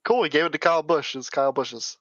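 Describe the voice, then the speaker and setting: A man's voice: on the high side, fast, a bit bright, no echo, dull audio. A man co-hosting a podcast, chatting casually in an easygoing way and laughing often. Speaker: podcast co-host. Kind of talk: casual chat.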